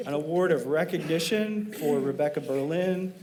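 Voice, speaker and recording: A man reads award citations at a public meeting, pausing on fillers between names. His voice sits a touch high for a man, with a faint hiss running under it. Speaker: superintendent. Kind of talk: formal award presentation.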